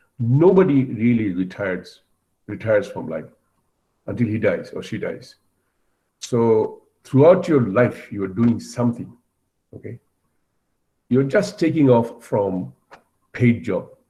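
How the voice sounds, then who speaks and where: A somewhat breathy man at a fairly slow pace, with long, frequent pauses. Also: medium pitch for a man, lively intonation. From Bangladesh. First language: Bangla. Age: old. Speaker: professor. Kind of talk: lecture. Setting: video call. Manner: hesitant.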